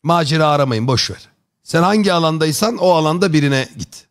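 A man's voice: a little high, animated, fairly quick. A man streaming live and chatting casually with his viewers, joking and rambling in chummy slang. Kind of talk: casual chat.

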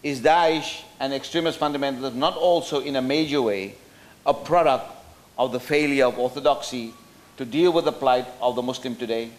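With medium pitch and normal speed, a middle-aged man from South Africa addresses a roundtable from a hotel function room podium, using slides and a podium mic. His delivery is considered yet halting, peppered with fillers and restarts.

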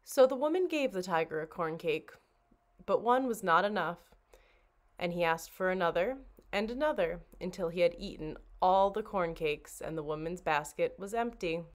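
A woman reading a children's storybook aloud like a librarian, with expressive, dramatic narration. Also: on the low side, normal speed.

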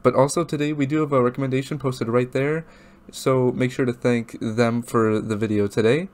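A man's voice: medium pitch, fairly even intonation, normal speed, darkish tone. A young man talking casually as the host of a reaction video. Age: young adult. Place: small room at home, indoors.

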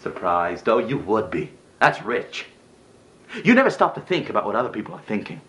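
Man acting a bitter, jealous brother, wildly swinging pitch. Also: wildly swooping pitch, normal speed, full character voice. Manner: sarcastic, emotional, swinging from hushed to outburst. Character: bitter, jealous elder brother confronting his favoured brother. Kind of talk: dramatic stage monologue.

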